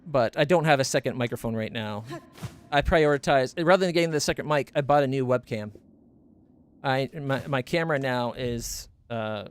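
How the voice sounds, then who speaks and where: A man streaming from home, chatting casually about his gear in a rambling, self-correcting way, close on a studio condenser mic. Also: no room sound. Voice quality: not very deep voice. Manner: rambling, self-correcting, stumbles over names.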